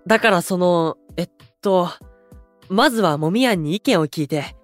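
A man's voice: sits high, animated, normal speed, a bit bright, no room sound, faint music behind. Boyish young male idol: impulsive, exuberant, slangy, straightforward, close dry studio sound for audio drama. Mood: earnest, flustered. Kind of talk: anime-style audio drama acting.

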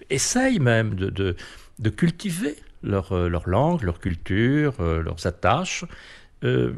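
A man with a French accent, a guest giving thoughtful, hesitant answers in an interview. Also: on the low side. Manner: hesitant, thoughtful, many fillers and restarts. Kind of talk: reflective conversational interview.

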